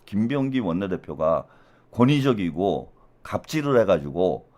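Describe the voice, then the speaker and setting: A man hosting a live political stream, ranting angrily with coarse words and rhetorical questions, dropping to a low mutter and then rising to loud outbursts. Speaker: political YouTube host.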